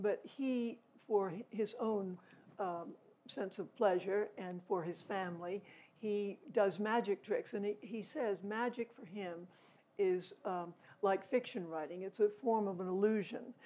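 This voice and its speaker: A woman speaks at a fairly slow pace in a dark, mellow tone. Her pitch moves in an ordinary way. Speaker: photographer. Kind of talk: onstage public conversation. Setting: stage with audience in a theater. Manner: halting, many filler words. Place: stage.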